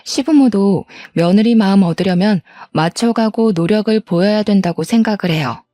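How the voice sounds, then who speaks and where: A woman's voice: mid-range voice, normal speed, mellow, no room sound, studio quality. A woman in her thirties reading a first-person story aloud in an aggrieved, complaining tone. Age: 30s.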